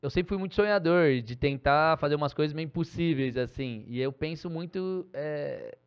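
A man who is a podcast guest and former basketball player, chatting casually and animatedly, laughing often and acting out what he shouts from the stands. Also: a little high, normal speed, smooth. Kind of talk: casual chat. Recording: slightly dull sound.

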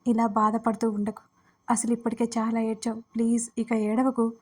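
A woman's voice: on the high side, level tone, moderate pace, lightly acted. Woman voicing an anxious young woman friend. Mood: pleading. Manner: pleading, worried.

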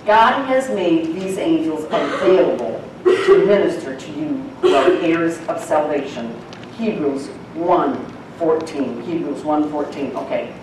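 Chatty woman bible teacher, laughs a lot, big echo, mic kinda far off w/ low hum. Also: lively intonation, a little slow, darkish tone. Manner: folksy, chatty, laughs often. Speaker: church teacher. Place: church sanctuary. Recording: echoey church hall from far off.

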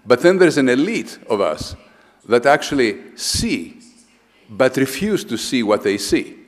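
A man's voice: medium pitch, very animated, measured pace. An older man from Greece giving an emphatic architecture lecture at a lectern, often restarting and repeating words. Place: large lecture hall, standing at a lectern. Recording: lecture hall with long reverb.

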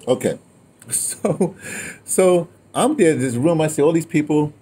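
A man in his sixties with an American accent, chatting casually and telling stories in a digressive, animated way. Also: fairly high pitch, unhurried, husky. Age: 60s. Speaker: host of an audio memoir channel. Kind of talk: casual storytelling chat. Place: outdoors on a patio in daylight. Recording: outdoor ambient noise.

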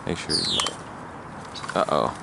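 A man in a kayak on a reedy lake, patiently coaching a companion through catching and handling fish, recorded on a head-mounted camera. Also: slow pace. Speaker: angler teaching a companion to fish. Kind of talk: casual outdoor chat. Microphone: head-mounted action camera. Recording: noisy outdoor camera audio.

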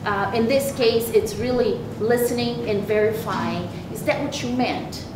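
A woman's voice: a little high, unhurried, noisy background. Careful woman panelist, echoey room. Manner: careful, restarts words.

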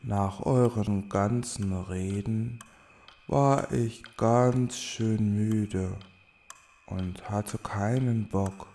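A woman playing a lazy, sleepy little creature in a children's audio drama, with a creaky, bored drawl. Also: rumbling low, drawn-out words, dark tone, exaggerated voice. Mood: sleepy, indifferent.

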